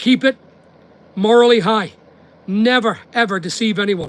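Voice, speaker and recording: A man speaks in a Northern Irish accent with a high pitch. His tone is animated. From Northern Ireland. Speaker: businessman and YouTuber. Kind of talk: live-stream chat answering viewer comments. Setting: live stream. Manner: animated, repetitive.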